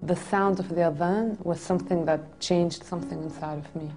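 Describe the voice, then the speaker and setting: A woman in her twenties from a Greek family in Germany, calmly recounting her own story in a seated studio interview. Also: lowish voice, normal speed, music in the background, low-quality recording. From Greek family, born in Germany. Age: 20s. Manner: reflective, soft, with frequent restarts. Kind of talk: personal testimony interview. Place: indoor studio set with red curtains.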